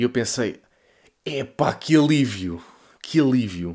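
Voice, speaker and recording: Very wide pitch swings from a man, captured on a very clean recording against a silent background. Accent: European Portuguese. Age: 20s. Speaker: podcaster. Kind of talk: casual monologue.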